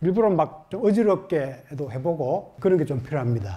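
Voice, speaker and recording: Speaking at a moderate pace, a man with a dark, mellow tone makes very wide pitch swings. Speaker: sex education lecturer. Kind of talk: lecture. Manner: halting, slightly awkward delivery; casual conversational.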